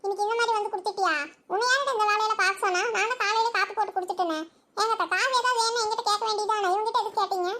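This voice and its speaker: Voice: extremely high pitch, fairly even intonation, very fast, pushed and bright. A voice actor playing a scolding village mother in a comedy cartoon. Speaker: cartoon character.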